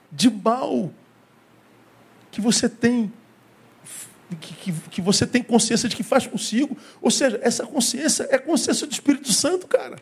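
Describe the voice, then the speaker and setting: With a very high voice, vocal fry and a breathy edge, a man with a Brazilian Portuguese accent preaches a sermon as a pastor. He tells a story, voicing the dialogue himself and repeating phrases a great deal.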